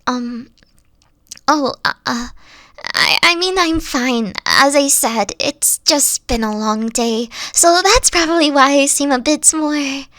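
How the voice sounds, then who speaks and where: A young woman voicing a weary, gentle fox-spirit girlfriend in an audio roleplay, soft-spoken and hesitant, often trailing off. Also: high voice, slow, dry recording. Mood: tired, reassuring.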